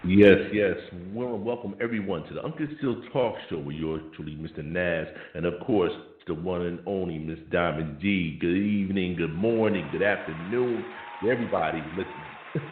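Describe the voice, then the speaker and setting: Low-voiced male co-host, jokey banter, lo-fi roomy recording. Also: normal speed, slight background noise. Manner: joking, teasing, laughs often. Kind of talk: casual radio show banter. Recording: echoey, phone-like radio sound.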